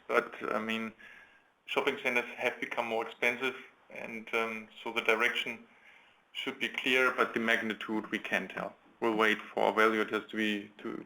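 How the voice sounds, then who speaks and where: Bright-voiced man answering on an investor call. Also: lowish voice, creaky, rough recording. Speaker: company executive answering analysts.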